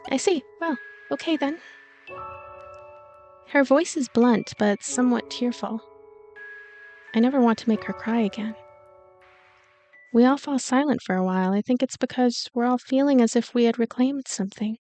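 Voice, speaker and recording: Higher-pitched woman narrating a story game. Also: normal speed, mellow. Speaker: let's player reading the game aloud. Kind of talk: voiced narration of a visual novel with character lines. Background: game music.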